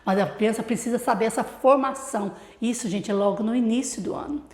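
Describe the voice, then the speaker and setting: Brazilian woman teacher, bright explanatory voice. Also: fairly high pitch, fairly quick, echoey room. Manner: explanatory, with rhetorical questions to the audience. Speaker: literacy teacher.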